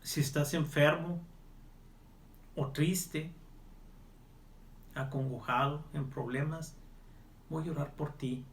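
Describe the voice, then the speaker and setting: A man's voice: fairly high pitch, fairly even intonation, slow, creaky, pauses often, a little hiss or hum. A male evangelist pastor leading a televised Bible study and prayer, earnest and pleading as he speaks straight to the listener.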